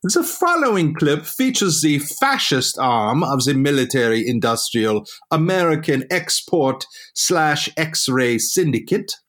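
A man's voice: a little high, very animated, slow pace, few pauses, a bit bright, heavily acted. A man playing a pompous existentialist, narrating a comic retrospective in indignant academic language. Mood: pompous indignation. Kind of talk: scripted mock-retrospective narration.

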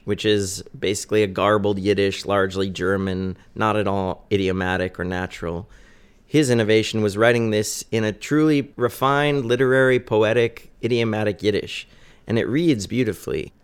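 A man's voice: on the low side, smooth. A man in his thirties, a playwright, explaining in a precise way with emphatic stresses. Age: 30s. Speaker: playwright and actor. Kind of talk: interview clip.

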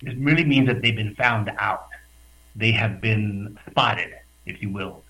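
A man from the West Texas border region, a radio guest speaking over a video call, explaining in a lively, thoughtful way with hesitant restarts. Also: fairly low pitch, unhurried, poor audio. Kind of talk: conversational explanation.

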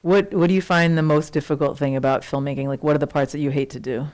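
Animated woman with a smooth clear voice. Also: low voice. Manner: quick, animated, peppered with "like". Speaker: documentary filmmaker. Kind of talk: casual conversation.

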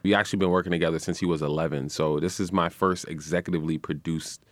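A young man with a deep voice chats easily as a guest musician and radio personality in a radio studio. He talks quickly and relaxed in a casual interview, often saying "man" and "you know," with no room sound.

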